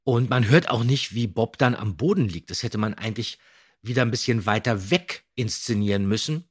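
A man's voice: fairly low pitch, animated, normal speed, husky. A man in a casual podcast discussion, talking emphatically and often repeating himself.

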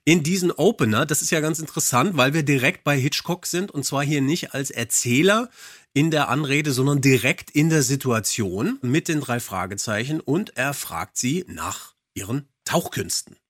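A man's voice: medium pitch, lively intonation, moderate pace, no echo, clean studio sound. A man hosting a podcast with casual chat and commentary. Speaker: podcast host.

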